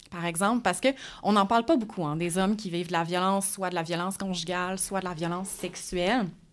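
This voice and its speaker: Talking at a very fast pace, a woman leaves hardly any pauses. Her medium-pitched voice has fairly even intonation. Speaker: sexologist. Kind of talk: interview.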